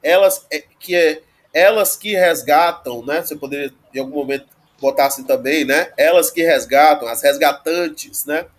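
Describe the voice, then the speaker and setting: Man teaching Greek grammar. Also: on the high side. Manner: explanatory, frequent "né?" tag questions, slow spelled-out word forms. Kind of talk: online grammar lesson.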